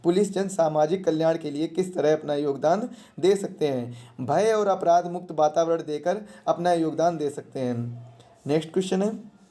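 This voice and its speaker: Mellow exam teacher. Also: mid-range voice. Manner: didactic, repeats questions and answers, poses rhetorical questions. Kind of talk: question-and-answer exam lesson.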